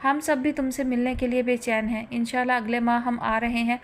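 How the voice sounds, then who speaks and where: A woman's voice: on the high side, flat delivery, brisk, a little hiss or hum, natural voice. A woman voicing a caring, worried mother asking anxious questions in an audiobook. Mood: concerned. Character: worried loving mother abroad on the phone.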